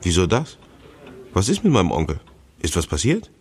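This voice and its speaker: An actor playing a curt, evasive, unpleasant nephew in a German radio drama, reluctant to talk. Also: male voice, sits low, wildly swooping pitch, moderate pace, a little mellow, breathy edge, exaggerated voice. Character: curt, evasive, shady nephew guarding his own business.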